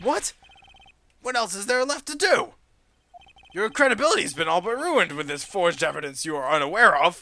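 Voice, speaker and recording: A man puts on a gruff character voice, pitched high, with very wide pitch swings. He moves at a fairly quick pace but leaves long, frequent pauses. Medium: solo performance. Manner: gruff, casual, says "pal" and "ya".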